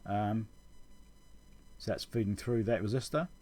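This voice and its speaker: Guy doing a casual tech walkthrough, kinda low mellow voice, thinks out loud. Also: a little slow. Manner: informal, explanatory, thinking aloud. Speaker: electronics repair video host. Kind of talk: casual technical tutorial over schematics.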